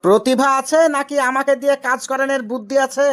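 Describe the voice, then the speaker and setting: A man's voice: extremely high pitch, steady tone, fast, a bit bright, slight background noise. Man acting a cocky young village son-in-law. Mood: cheeky. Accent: Rajshahi Bangladeshi Bengali. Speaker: son-in-law in a comedy cartoon. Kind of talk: amateur cartoon comedy dialogue.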